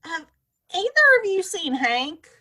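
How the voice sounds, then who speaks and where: Woman as coy saloon girl, high-pitched, bright, brassy, western audio drama. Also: very animated, slow pace, heavily acted. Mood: coy, teasing. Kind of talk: audio play acting.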